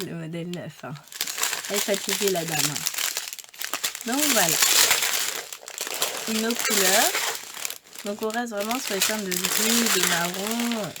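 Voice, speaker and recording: A woman's voice: mid-range voice, very noisy. A woman chatting casually as a craft vlogger, talking to herself with wry asides and counting aloud as she works. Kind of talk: casual chat while unboxing and crafting.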